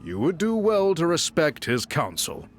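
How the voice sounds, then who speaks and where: A formal, expressive tribal chief. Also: male voice, on the high side, faint music behind, full character voice. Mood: stern, formal. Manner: formal, measured, deferential. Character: dutiful male tribal chief, courteous, earnest, dignified. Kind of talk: video game voice acting.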